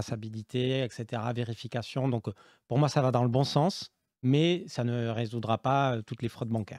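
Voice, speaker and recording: The voice moves at a moderate pace with ordinary pitch variation. The recording is very clean with a silent background, dry and close with no echo. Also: man, medium pitch for a man. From southwestern France, Toulouse. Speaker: banker. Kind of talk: panel discussion. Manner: hesitant, many filler sounds.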